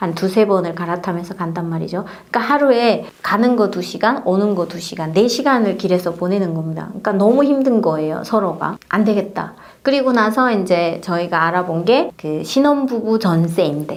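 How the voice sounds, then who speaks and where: A woman with a North Korean accent talks at a moderate pace in a medium pitch, with lively intonation, hardly any pauses, and audible room echo. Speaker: North Korean defector sharing her story. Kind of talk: personal testimony monologue.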